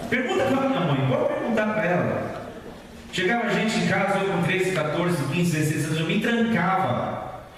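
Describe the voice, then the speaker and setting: A man preaching a sermon in Brazilian Portuguese, lively and joking with his congregation, acting out little quotes. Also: high-pitched, moderate pace, a little hiss or hum. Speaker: pastor. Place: church hall, indoors. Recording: echoey church hall, voice from far off.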